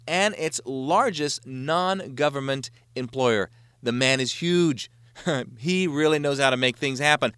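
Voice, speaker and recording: A man's voice: on the high side, a bit bright, clean tone, dry recording. A man with a Jamaican accent hosting an interview, reading an upbeat admiring introduction and then asking questions. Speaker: interview host.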